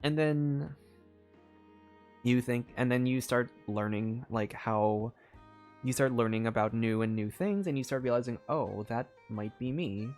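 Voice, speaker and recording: A man's voice: mid-range voice, measured pace, a little mellow. A man chats his way through a story game on stream, thinking aloud. His mid-range voice wanders through restarts and fillers. Faint game music plays underneath. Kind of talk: casual live game commentary.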